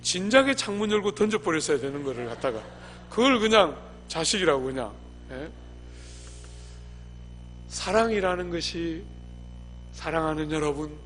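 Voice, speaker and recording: Male pastor, high-pitched and playful in the pulpit, recorded in a reverberant church with a faint hum. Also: a bit bright. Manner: humorous storytelling, rhetorical questions to the congregation. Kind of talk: sermon. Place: church sanctuary.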